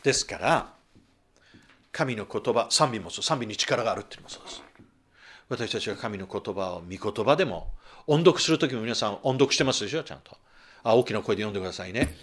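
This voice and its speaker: A man's voice: on the low side, lively intonation, quick pace, fairly bright tone. A male pastor giving a sermon in a conversational manner, asking the congregation questions and rising to emphatic bursts.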